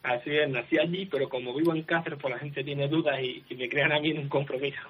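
Calm young man on radio. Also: fairly high pitch, dull audio, slight background noise. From Spain. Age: young adult. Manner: calm, measured. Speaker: guest. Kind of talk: radio interview answers.

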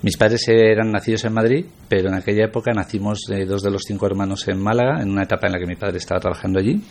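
A man's voice: on the low side, fairly even intonation, racing, gravelly, darkish tone. A middle-aged man from Spain, a guest on a radio interview, talking reflectively with many hesitations.

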